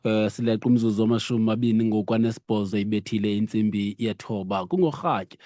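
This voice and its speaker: A man's voice: on the low side, fairly even intonation, fast talker, warm tone, dry recording, clean studio sound. A South African man with a Xhosa accent, hosting a radio talk show. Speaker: radio host.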